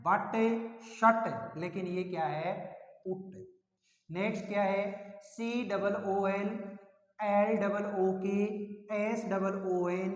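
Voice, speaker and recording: Male teacher, high voice, slow deliberate delivery, questions to the class, long echoey reverb. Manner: slow and repetitive, asks the class questions and answers them himself. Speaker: English teacher. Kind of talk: classroom lesson on English sounds.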